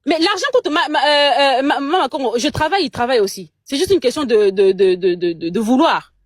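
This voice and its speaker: Speaking fast and expressively in a high voice, a young woman from the DR Congo joins a live chat as a guest and vents in Congolese-accented French. She's indignant and emphatic, repeating words as she stumbles, and the studio recording is clean and dry.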